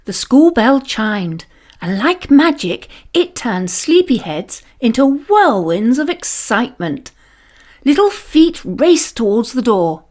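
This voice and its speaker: A woman narrates a children's read-along story in a fairly high voice. Her delivery is dramatic and very animated, with slow, deliberate pacing that lets each phrase land.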